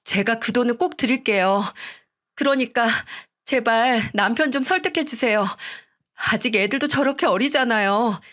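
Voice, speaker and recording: A woman's voice: a little high, normal speed, fairly bright tone, voice pushed up, natural voice. A woman voicing a selfish young wife who talks back in a whiny, defiant way and begs when cornered, in a storybook radio reading. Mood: pleading.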